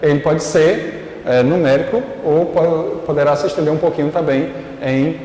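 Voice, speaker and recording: A man teaching a class, his voice a little high for a man. He explains step by step and keeps checking that students follow. The sound is roomy, with a long trailing reverb. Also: fairly even intonation, moderate pace, mellow, slight background noise. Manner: patient, explanatory, checks in often with "certo?" and "ok?". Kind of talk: recorded online class. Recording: echoey room with long reverb.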